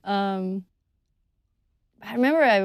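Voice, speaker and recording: A woman's voice: medium pitch, slow, no room sound, clean studio sound. A woman, an actress on commentary, chatting candidly and giggling with self-mocking humor. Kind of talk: casual commentary chat.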